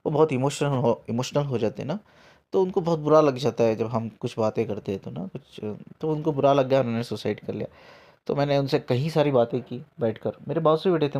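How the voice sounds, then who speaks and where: Man telling spiritual stories. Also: mid-range voice. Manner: lively storyteller mixing in English words; repeats himself often to stress a point. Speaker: spiritual coach. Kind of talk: storytelling talk.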